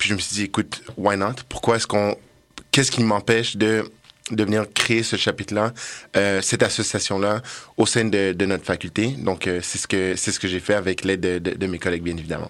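A man speaks in an unremarkable speaking voice. His intonation stays fairly even at a moderate pace. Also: fairly low pitch for a man. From Montreal, Quebec. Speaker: law student, student association president. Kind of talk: interview.

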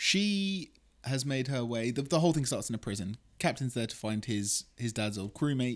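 A man in a normal speaking voice, medium-pitched with lively intonation, at a moderate pace in a very clean recording with a silent background. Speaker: game master and podcast co-host. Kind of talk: casual chat, recorded podcast banter.

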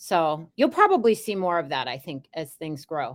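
The recording is very clean, with a silent background. A woman speaks at a moderate pace. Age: 40s. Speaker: human rights advocate. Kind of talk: casual chat.

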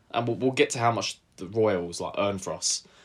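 A British accent with ordinary pitch variation. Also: man. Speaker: podcast co-host. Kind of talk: casual banter chat. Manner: joking, irreverent.

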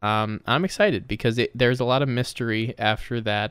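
At a medium pitch and moderate pace, a man speaks in a normal speaking voice, recorded very cleanly against a silent background. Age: 20s. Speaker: podcast co-host, college student. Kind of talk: casual chat.

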